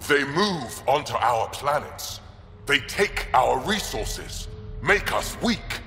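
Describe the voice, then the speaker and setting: An actor playing a fanatical, contemptuous alien rebel leader in a video game, speaking with slow, scornful oratory. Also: male voice, medium pitch, big pitch swings, full character voice. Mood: bitter, agitated. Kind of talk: dramatic video game acting. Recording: long hall reverb under loud music.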